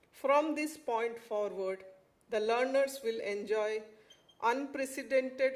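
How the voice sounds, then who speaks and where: A woman with an Odisha accent, fairly high pitch, ordinary pitch variation and a fairly slow pace. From Odisha, India. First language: Odia. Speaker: MBA programme coordinator, academic. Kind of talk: formal ceremonial speech. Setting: launch ceremony event. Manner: formal.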